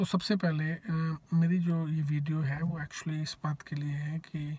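A man speaks fairly slowly in a fairly high, monotone voice with flat intonation, the sound dry with no echo. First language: Punjabi (speaking Hindi). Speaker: political commentator. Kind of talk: opinion monologue. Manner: hesitant, frequent fillers; Hindi-English code-switching. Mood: critical, argumentative. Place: car. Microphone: phone near.

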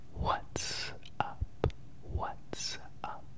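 A man is whispering. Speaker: ASMR artist. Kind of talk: ASMR personal attention. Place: home room. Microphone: studio mic.

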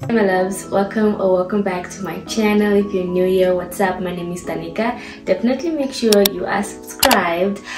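A woman talks at a fairly quick pace with hardly any pauses and ordinary pitch variation, clear music playing behind her. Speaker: vlogger. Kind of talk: casual vlog chat. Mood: happy and excited. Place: home room. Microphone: phone near.

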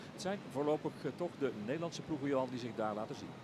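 Noticeable background noise fills the clip. Over it, a man talks very fast. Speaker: cycling commentator. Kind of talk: live commentary.

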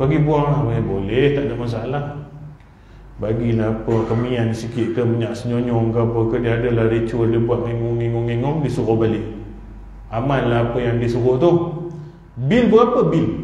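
There is audible room echo in the recording. A man speaks at a moderate pace. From Malaysia. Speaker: Islamic religious teacher. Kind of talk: religious lecture. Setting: mosque prayer hall with congregation. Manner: animated storytelling. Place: hall. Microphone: headset.

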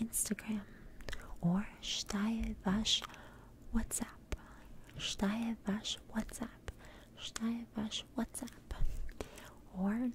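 A woman whispers at a very slow pace, broken by long, frequent pauses. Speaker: ASMR creator. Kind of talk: ASMR language lesson. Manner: whispered, soft-spoken. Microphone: studio mic.

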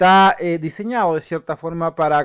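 A man's fairly high voice proceeds at a moderate pace over a quiet background. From Chile. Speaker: YouTube commentator on military technology; channel host. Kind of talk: casual video commentary; casual commentary. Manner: halting, many fillers.

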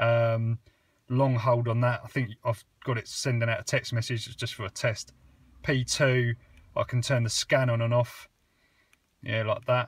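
Against a quiet background, a man speaks at a moderate pace, somewhat breathy. His intonation is monotone and flat. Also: dry sound with no echo. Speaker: radio hobbyist reviewer. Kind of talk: product demo tutorial. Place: car.

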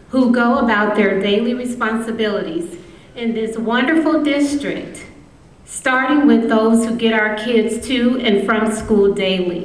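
Amid audible room echo, a woman speaks at a fairly slow pace with ordinary pitch variation. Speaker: teacher or staff speaker at a district ceremony. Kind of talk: formal prepared speech. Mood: earnest, grateful. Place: stage. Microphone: podium.

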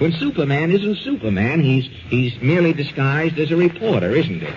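With an American accent, a man talks at a fairly quick pace in a fairly high voice with lively intonation, while light background noise sits behind him. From United States. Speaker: radio comedian, interviewer. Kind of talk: comedic radio interview. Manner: dry, sarcastic, wisecracking. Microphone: old recording.

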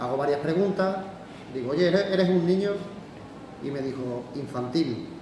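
A man speaks at a moderate pace with ordinary pitch variation. Audible room echo and noticeable background noise surround him. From Seville, Spain. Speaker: paranormal investigator. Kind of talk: storytelling to live audience. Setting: bookstore cultural forum with audience. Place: studio.

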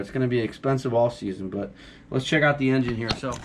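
A man speaks over light background noise. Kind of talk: casual vlog chat. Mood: frustrated but trying positive. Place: boat. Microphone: phone near.

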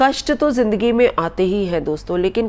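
A woman is speaking. Her intonation is lively. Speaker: devotional vlogger. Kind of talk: casual vlog chat. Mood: warm, earnest. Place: home room. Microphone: lapel.

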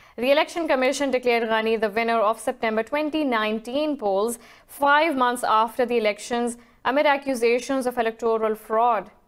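Against a quiet background, a woman with a high pitch speaks at a moderate pace, her loudness very even and her pitch variation ordinary. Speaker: news anchor. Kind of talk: news reading. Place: studio.

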